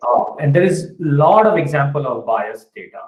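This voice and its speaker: A man's voice with a fairly high pitch. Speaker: product manager at a tech company. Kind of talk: panel discussion. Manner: loud.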